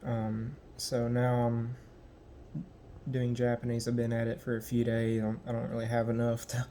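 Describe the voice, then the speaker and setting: A young American man from the United States, talking casually in a vlog and haltingly searching for words with many ums. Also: medium pitch, completely flat delivery, mellow, a little hiss or hum. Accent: American English. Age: young adult. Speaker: language learner.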